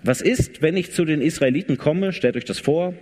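A man's voice: on the high side, moderate pace, a little mellow. A man preaching a sermon in a casual, conversational way, retelling scripture dramatically. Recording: long reverb of a large hall. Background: congregation.

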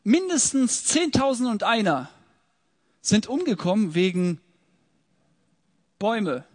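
Guy with a high voice doing a bible study, reads verses then explains them casually, keeps asking the crowd questions. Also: sing-song, slow. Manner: rhetorical questions to listeners. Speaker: preacher. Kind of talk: Bible teaching.

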